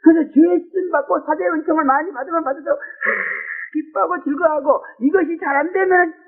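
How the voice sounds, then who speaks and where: A man preaching with a very high voice, emotive and exclaiming, often tossing rhetorical "eh?" asides at his listeners. The sound is thin and phone-like, as on an old lo-fi recording. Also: steady tone, fast talker. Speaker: pastor. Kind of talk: sermon.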